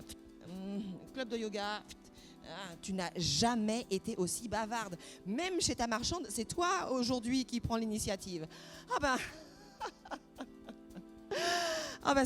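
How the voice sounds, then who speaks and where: Woman, theatre narration, second person, wry, hesitant, soft music underneath. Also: medium pitch. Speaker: stage narrator. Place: theatre stage.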